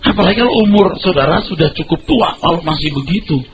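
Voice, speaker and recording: A man's voice: sits high, lively intonation, fast talker. A middle-aged male pastor preaching a sermon, emphatic and conversational, with colloquial asides to the congregation. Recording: dull lo-fi audio with music behind. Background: background music.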